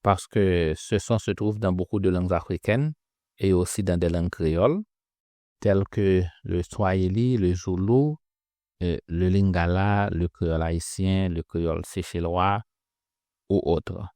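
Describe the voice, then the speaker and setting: A man teaching pronunciation in a slow instructional lesson, drilling sounds by repeating syllables. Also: deep voice, warm tone, no room sound, studio quality.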